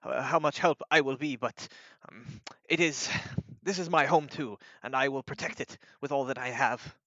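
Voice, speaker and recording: A man's voice: medium pitch, moderate pace, a bit bright, highs cut off, voice pushed up, close to an everyday voice. A man voicing a shy, earnest young man who stammers and hesitates.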